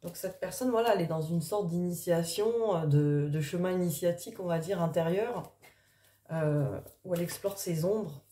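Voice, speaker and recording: A woman card reader talking casually in an early-morning voice, improvising and thinking aloud in a halting way with trailing pauses. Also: on the low side, warm tone. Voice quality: early-morning voice, which the speaker calls gruff. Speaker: tarot card reader and spiritual coach. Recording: echoey, reverberant room.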